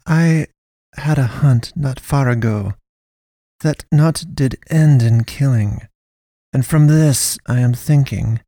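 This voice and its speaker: A man reading a story, voicing a stern foreign woman pastor who hunts monsters, speaking slow, blunt, broken sentences. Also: medium pitch, warm tone, no echo, studio quality, pitched above the performer's own voice. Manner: broken grammar, blunt, measured.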